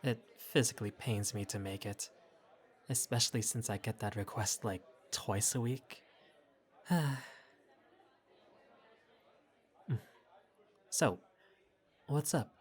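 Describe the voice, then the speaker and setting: A man's voice: lowish voice, unhurried, pauses often, natural voice. A man playing a flirty, easygoing bartender who teases and chats with a patron in an audio roleplay. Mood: playful, exasperated. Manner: playful, teasing, casual. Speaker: bartender character. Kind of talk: intimate audio roleplay, conversational acting.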